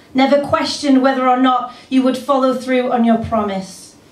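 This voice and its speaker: Audible room echo surrounds a woman speaking at a high pitch and a moderate pace. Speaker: open mic poet. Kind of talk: spoken word poetry at an open mic, read aloud from the page. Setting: open mic event. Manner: halting and hesitant in the spoken intro, with fillers. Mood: calm, reflective. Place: hall.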